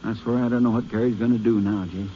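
An actor playing a kindly, folksy small-town sheriff who speaks in a sympathetic, easygoing way, in 1950s radio drama style. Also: male voice, lowish voice, steady tone, quick pace, lightly acted. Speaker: county sheriff. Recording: muffled old radio broadcast with hiss.

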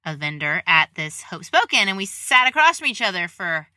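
Woman podcast host, bright and slightly low voice, eager chatty delivery, dry close recording. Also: big pitch swings, normal speed, no echo. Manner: enthusiastic, chatty, laughs easily. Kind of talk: casual interview chat.

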